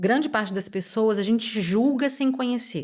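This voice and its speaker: Talking at a moderate pace, a woman has a fairly high pitch with ordinary pitch variation. The recording is very clean, with a silent background. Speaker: TV reporter. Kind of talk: podcast interview.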